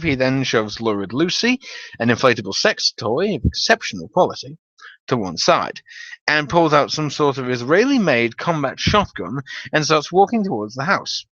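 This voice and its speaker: A man narrates a comic gaming tale as a dramatic reading. His delivery is theatrical and wry, with very lively intonation and a bright, forceful edge. The sound is dry and a little dull. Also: medium pitch, moderate pace, dry recording. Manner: theatrical storytelling with wry emphasis. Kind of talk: dramatic reading of a comic tabletop-game story.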